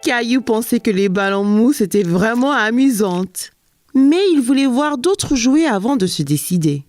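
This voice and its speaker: A woman performing as the gentle storytelling narrator of a children's cartoon in French, with soft music behind. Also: a little high, animated, unhurried, no room sound.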